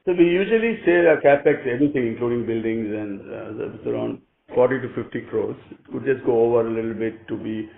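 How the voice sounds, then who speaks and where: An Indian man answers questions as a company executive on a conference call. His voice has a gravelly creak and comes through a thin, echoey phone connection. He talks conversationally, hedging and pausing as he goes. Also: medium pitch. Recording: echoey, narrow telephone conference line.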